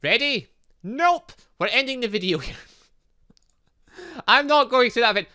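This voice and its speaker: A man's voice: extremely high pitch, sing-song, a little slow, sharp tone. A young man playing a visual novel on his channel, reading the dialogue aloud and rambling through a chatty outro. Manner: chatty, rambling, humming filler sounds. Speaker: gaming YouTuber. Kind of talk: let's play commentary, reading dialogue aloud.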